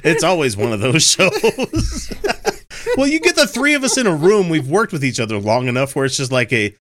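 Fifty-ish guy cohosting a podcast, kinda high voice, cusses and laughs a lot. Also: normal speed. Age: 50s. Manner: swears a lot, laughs often, animated. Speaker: podcast co-host. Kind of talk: casual chat.

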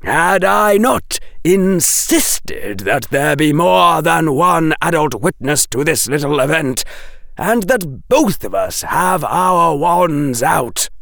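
Guy doing a stern wizard prof, higher and louder than the narrator, crisp, slow and picky, dry sound. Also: animated, no echo, full character voice. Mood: crisp lecturing. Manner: crisp, disapproving, deliberate. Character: stern precise male wizard professor.

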